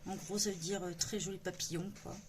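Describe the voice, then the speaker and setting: A woman's voice: lowish voice, steady tone, brisk, darkish tone, slight background noise. A woman hosting her own coloring channel, presenting a coloring book page by page in a casual, hesitant chat full of fillers. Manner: chatty, hesitant with many fillers. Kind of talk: casual book flip-through.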